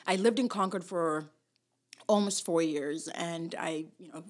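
A woman from Somalia and Tennessee with a husky voice, telling her story casually as an interview guest. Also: on the low side, a little slow. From born in Somalia, grew up in Tennessee, US. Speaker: interview guest, immigration lawyer.

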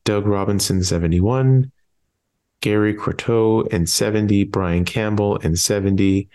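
A man with a very low voice talks sports in an easygoing podcast chat. He sounds stuffy and is losing his voice, and he rattles off lists of names and years without hurry. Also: measured pace, a little mellow. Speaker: podcast co-host.

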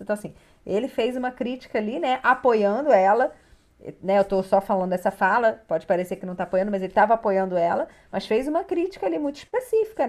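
A woman from Brazil, a family coach, telling session stories and acting out what clients said. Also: on the high side. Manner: animated storyteller, acts out clients' replies. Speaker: child and parent coach. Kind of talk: casual chat about coaching sessions.

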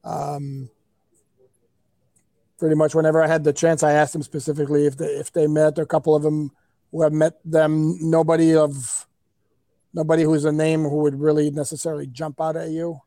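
Guy reporter talking sports, creaky mellow voice, kinda hesitant, dry close sound. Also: fairly high pitch, completely flat delivery, moderate pace, no room sound. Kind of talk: casual sports talk.

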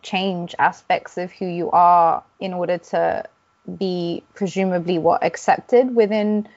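A woman interviewer asking brief, gentle follow-up questions. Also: fairly low pitch, fairly even intonation, slow, dull audio.

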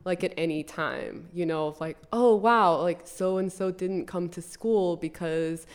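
A woman's voice: lowish voice, fairly even intonation, unhurried, clear, resonant tone. A young woman who grew up in Colombia, talking casually as an author guest in an interview, rambling with many "like"s. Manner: rambling, filler-heavy with frequent "like". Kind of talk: podcast interview.

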